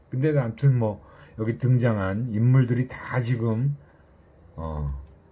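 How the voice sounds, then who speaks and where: This man's voice is somewhat breathy and dark and mellow in tone, moving at a very slow pace. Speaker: professor. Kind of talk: lecture.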